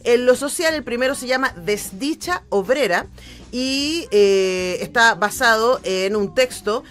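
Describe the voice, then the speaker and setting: A woman's voice: a little high, expressive, a little slow. A woman with a Chilean accent hosting a casual live radio interview in an effusive, affectionate and informal way.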